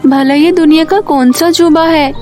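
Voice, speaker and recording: Woman voicing an emotional, high-pitched young village daughter. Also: fairly even intonation, moderate pace, darkish tone, soft background music, natural voice. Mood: amazed, curious. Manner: plaintive, emotional, exclamatory. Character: distressed young village woman, self-conscious, hopeful daughter. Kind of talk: animated moral storybook dialogue.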